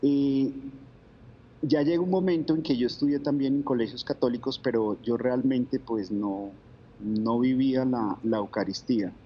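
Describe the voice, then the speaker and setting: A man's voice: mid-range voice, fairly even intonation, moderate pace, dull audio, slight background noise. A man from Bogotá with a Colombian accent, a guest telling his faith story in an interview, reflective and full of fillers. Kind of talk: testimony interview.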